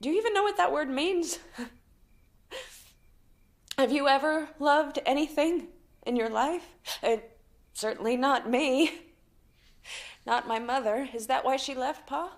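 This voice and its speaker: Bitter rich daughter, high voice, sharp and accusing. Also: female voice, a little slow, long pauses. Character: wealthy man's bitter, unhappy grown daughter.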